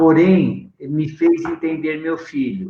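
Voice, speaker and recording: The man speaking has a fairly high pitch. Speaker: author. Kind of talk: live-stream interview. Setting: online live stream.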